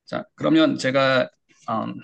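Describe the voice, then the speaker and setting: In an online lecture, a man teaches English pronunciation step by step, hesitating often with fillers and modeling words with exaggerated pitch. His voice is slow, creaky, and slightly bright.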